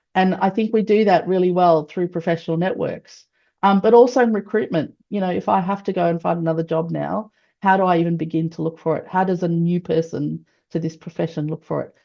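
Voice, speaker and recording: A woman's dark, mellow voice at a fairly quick pace. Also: ordinary pitch variation. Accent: Australian. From Australia. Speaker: educational designer and researcher. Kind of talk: webinar presentation. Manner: fast.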